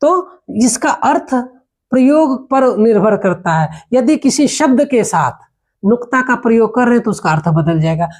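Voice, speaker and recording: In a classroom-style lesson, a patient male teacher explains grammar, saying each example word slowly and repeating it. He keeps checking that his listeners are following, and his voice is extremely high-pitched and animated.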